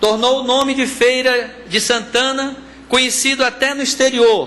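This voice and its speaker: A man in a raised, projected voice speaks at an extremely high pitch, monotone and flat, at a fairly slow pace. Audible room echo and noticeable background noise are present. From Rio de Janeiro, Brazil. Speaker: pastor. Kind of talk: acceptance speech. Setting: city council ceremony. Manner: formal.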